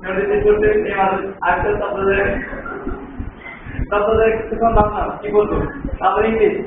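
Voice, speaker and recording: A man with a very high voice lectures a training class, checking often with rhetorical questions and slipping English words into his speech. He sounds far from the mic in a very echoey room. The sound is thin like a phone line, with clear noise behind him. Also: level tone, normal speed. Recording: far-off, echoey, tinny, noisy room recording.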